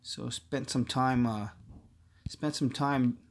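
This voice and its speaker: A man's voice: mid-range voice, steady tone, slow pace, heavy background noise. A man hosting a gaming livestream, chatting casually and thinking aloud, with many filler words. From partly Korean heritage. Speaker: livestream host.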